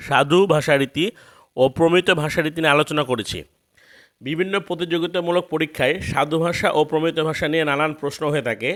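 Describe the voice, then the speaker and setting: A man narrating a scripted grammar lesson, reading out word lists one by one in a measured way. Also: on the high side, a bit bright. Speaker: grammar teacher.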